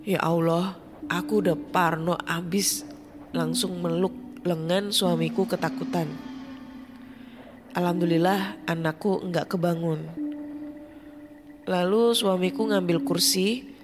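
A woman with a fairly low voice tells a first-person horror story in a tense, hushed manner. Music plays clearly underneath her narration. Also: steady tone, slow, pauses often.

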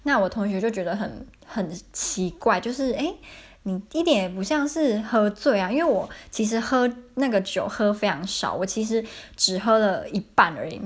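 A woman's voice: mid-range voice, fairly bright tone. A young woman with a Taiwanese Mandarin accent, telling a personal story in a casual, chatty podcast style, full of fillers and repeats. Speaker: podcast host.

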